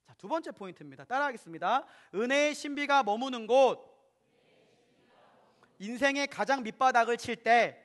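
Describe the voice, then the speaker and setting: A man preaching to children and families in church, animated, constantly asking the congregation questions and sometimes acting out parents and kids. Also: very high voice. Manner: acts out parents and children in quoted voices; occasionally shouts for emphasis. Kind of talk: children's sermon at a family revival. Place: church sanctuary.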